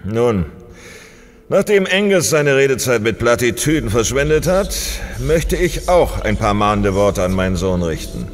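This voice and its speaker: A man playing a stern, scornful older father in a German sci-fi audio drama, pompous, deliberate and cutting. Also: mid-range voice, sing-song. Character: stern, scornful father lecturing his adult son. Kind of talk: German science fiction audio drama acting. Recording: long hall reverb, faint music.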